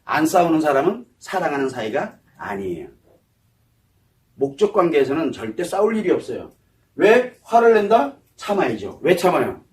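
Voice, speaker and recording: Man lecturing, high voice, lively pitch swings, rhetorical questions, mic a bit far off. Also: moderate pace. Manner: asks the audience questions and answers them himself. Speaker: psychology lecturer. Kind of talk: lecture to an audience.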